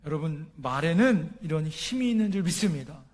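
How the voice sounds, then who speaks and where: A male pastor preaching a story-driven sermon, often asking the congregation questions and swinging from loud emphasis to hushed lines. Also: a little high, expressive, a little fast.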